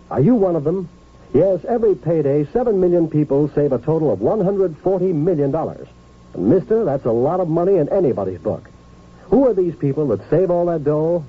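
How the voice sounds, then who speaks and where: A male vintage radio announcer with a slightly rough, lively, swinging voice. He sells emphatically and folksily, as in a 1950s commercial. The sound is very narrow and tinny. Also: fairly high pitch. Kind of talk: 1950s radio advertisement read.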